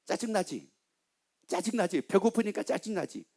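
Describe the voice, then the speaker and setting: A man's voice: high-pitched, expressive, normal speed, gravelly, a little mellow, heavily acted. A male pastor voicing a taunting devil who coaxes people toward anger with repeated questions. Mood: coaxing. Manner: coaxing, needling, repeats short questions.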